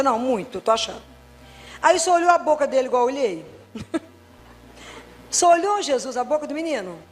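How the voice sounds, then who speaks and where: A middle-aged woman from Brazil, a doctor giving a faith talk full of personal stories, chatting with her listeners and acting out the dialogue. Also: sits high. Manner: conversational, storytelling, acts out dialogue, humorous asides. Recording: reverberant hall.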